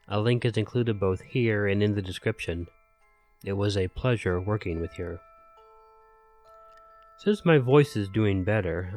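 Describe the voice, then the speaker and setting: A man with a low voice, a little stuffed up from a cold, speaks directly to his viewers. His tone is polite and earnest. Soft music plays faintly behind him. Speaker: channel host and narrator. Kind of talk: outro address to viewers.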